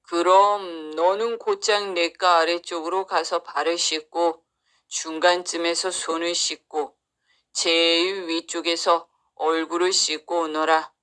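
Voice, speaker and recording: A woman voicing a gentle, wise black cow from heaven in a storybook, speaking in slow, old-fashioned commands. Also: lowish voice, little pitch movement, clean tone, voice pushed down. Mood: kindly.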